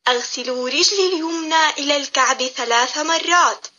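A woman narrates a children's lesson in a high voice. She recites each step in a measured, clear way, and her tone is bright. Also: highs cut off. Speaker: teacher narrator. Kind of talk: scripted instructional narration for young children.

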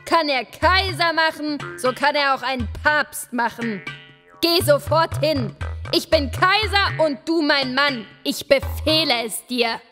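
A shrill, domineering fisherman's wife in a radio play. She talks high and drawn out, bossy and greedy. Soft music plays behind. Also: unhurried, full character voice.

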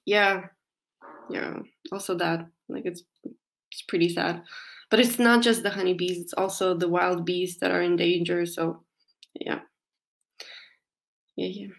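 A woman's voice: fairly low pitch, steady tone, unhurried, vocal fry, long pauses. A young woman in her twenties, a company representative, explaining casually in a remote interview with many fillers, heard over a video call from a small room. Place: small indoor room, plain wall. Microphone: video call, laptop camera.

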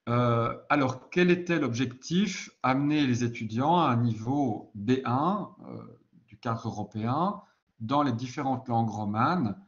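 A man's voice: mid-range voice, expressive, a little slow, muffled recording. Belgian man lecturing with frequent hesitations. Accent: Belgian French. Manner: explanatory, frequent "euh" hesitations and self-corrections. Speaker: university lecturer presenting a textbook. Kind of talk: conference presentation.

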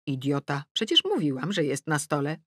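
Exasperated low-voiced woman, acted by a narrator. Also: very animated, moderate pace, a bit bright, no room sound, studio quality, full character voice. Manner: impatient, emphatic. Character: exasperated, bossy woman phoning her partner.

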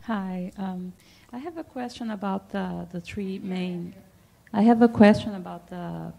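Brief: woman questioner, gravelly, mellow tone, halting and searching. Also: medium pitch. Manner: hesitant, restarts often, searching for words. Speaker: audience member asking a question. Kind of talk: question from the floor. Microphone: handheld microphone.

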